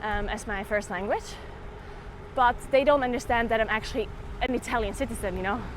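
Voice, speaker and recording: A woman's voice: a little high, brisk. A German-speaking woman chatting with her live viewers while cycling outdoors, laughing often and out of breath. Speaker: streamer. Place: outdoors on a road while biking. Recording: outdoor wind and traffic noise.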